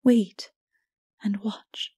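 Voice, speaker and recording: A woman voicing a grave, gentle woman of sorrow in a dark fantasy audiobook, speaking slowly and solemnly. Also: dry recording, clean studio sound. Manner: gentle, slow, solemn, partly breathy.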